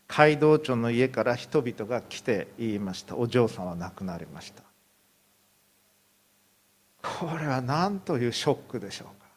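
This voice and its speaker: A male pastor preaching a sermon, telling a story and acting out the people in it. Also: mid-range voice. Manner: storytelling, acts out quotes.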